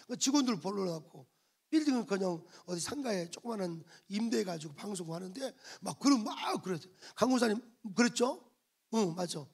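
Male pastor with a raspy voice, preaching to his church; keeps prodding the congregation for amens. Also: high voice, animated, brisk. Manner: emphatic, repetitive prodding of the congregation. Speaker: senior pastor. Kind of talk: sermon. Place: church sanctuary.

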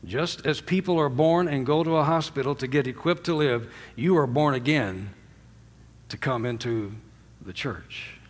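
An older man preaching a sermon from a church stage, emphatic, calling out for amens and dropping to hushed endings. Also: normal speed. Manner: emphatic, swinging from loud highs to low hushed endings; asks the congregation for amens. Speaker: pastor. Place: large church sanctuary with stage and drum kit. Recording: long hall reverb.

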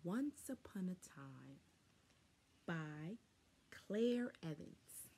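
A young adult woman reading a children's story aloud expressively, with deliberate, dramatic emphasis, recorded indoors on a camera a short distance away. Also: on the low side, lively intonation, gravelly, dark tone, breathy edge. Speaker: storybook reader. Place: small furnished room indoors.

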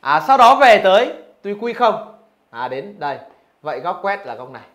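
A man with a high voice teaches physics, working through exam questions one by one. He keeps checking with his students as he explains each answer. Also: sing-song, normal speed, a bit bright. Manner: talks through answers, asks rhetorical questions. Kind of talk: exam review lesson.

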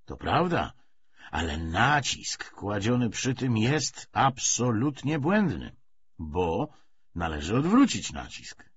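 A man narrating an audiobook, reading a novel's dialogue dramatically in a slightly husky voice. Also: fairly low pitch, very animated, slow pace. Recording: dull lo-fi audiobook recording.

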